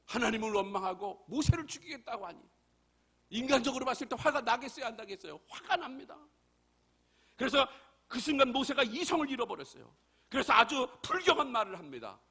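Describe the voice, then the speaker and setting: A man's voice: high-pitched, pushed and bright, husky. A male pastor preaching a sermon, emphatic and full of rhetorical questions to the congregation.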